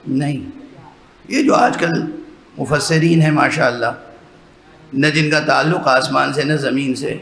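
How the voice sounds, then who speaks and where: A man's voice: mid-range voice, gravelly, pauses often, fairly bright tone. A man, a religious scholar, giving a sermon lecture that explains its points step by step and often checks with listeners through rhetorical questions. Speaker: religious scholar addressing a mourning gathering. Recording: echoey hall with faint background noise.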